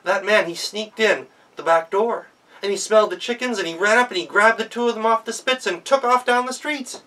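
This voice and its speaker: A man's voice: sits high, brisk, pushed and bright, distant mic, voice pushed up, low-quality recording. A man voicing a sly, food-loving woman cook from a folktale, chatty and self-indulgent, with a hesitant, conspiratorial way of talking. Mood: feigned urgent alarm.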